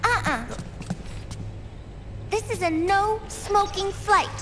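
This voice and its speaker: A woman's voice: very high-pitched, slow, over music. An actress playing a prim, scolding little girl in a video game cutscene.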